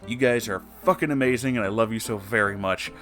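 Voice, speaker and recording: A man's voice: lowish voice, brisk, fairly bright tone, soft background music. A man hosting an online story reading, speaking expressively and informally with casual swearing. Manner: profane, informal. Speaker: online story reader and host.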